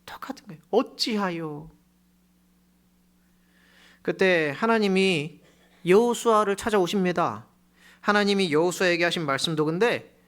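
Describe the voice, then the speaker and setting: A pastor giving a sermon in a church, telling a story with loud emphasis that drops to hushed, low phrases. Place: church sanctuary.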